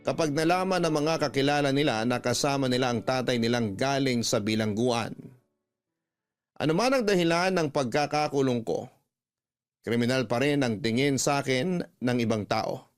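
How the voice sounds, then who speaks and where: A man's voice: medium pitch, moderate pace, lightly acted. A man as a remorseful middle-aged father, radio drama, wistful, subdued, faint music behind. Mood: reflective. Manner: quiet, wistful, sighing. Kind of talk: Tagalog radio drama acting, in-character narration.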